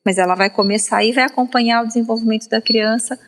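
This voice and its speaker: This Brazilian guest speech therapist talks quickly on a podcast, her fairly high voice holding a steady tone as she explains emphatically and didactically, sprinkling in tag questions. Faint background noise and a long reverb color the recording.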